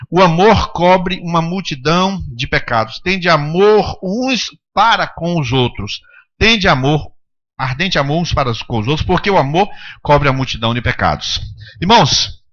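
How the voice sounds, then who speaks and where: High, bright-voiced preaching man. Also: dull audio. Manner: emphatic preaching with rhetorical questions to the congregation. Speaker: pastor. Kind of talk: sermon.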